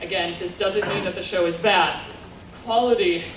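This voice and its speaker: A woman with an American accent, amid noticeable background noise and audible room echo. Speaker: convention panel presenter. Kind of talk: convention panel presentation. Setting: stage with audience. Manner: casual, many fillers.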